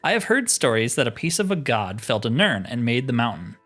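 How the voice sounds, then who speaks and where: A man's voice: medium pitch, big pitch swings, fairly quick, a bit bright. Man reading as a wary tribal wise woman. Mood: solemn.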